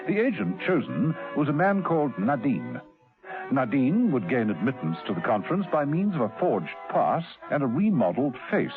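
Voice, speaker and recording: A man's voice: mid-range voice, sing-song, moderate pace, lightly acted. A man giving scripted dramatic narration for a radio serial. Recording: muffled old radio recording, faint music.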